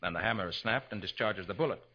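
An American actor playing a confident private detective in 1940s radio drama style, explaining things in an assured way. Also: male voice, on the low side, quick pace, husky. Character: confident male private detective, explaining how he solved murders. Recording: dull 1940s radio recording.

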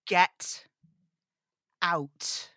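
A woman's voice: extremely slow, a bit bright, dry recording, studio quality. A woman playing a burdened, defiant young male broadcaster in an audio drama table read, snappish and sarcastic. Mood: irritated, defiant.

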